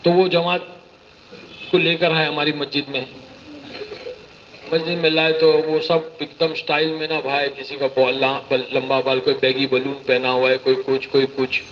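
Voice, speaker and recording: A man giving an animated, storytelling sermon and mimicking the people in his stories. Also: medium pitch, measured pace. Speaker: preacher giving a religious talk. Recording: slightly muffled recording with faint hiss.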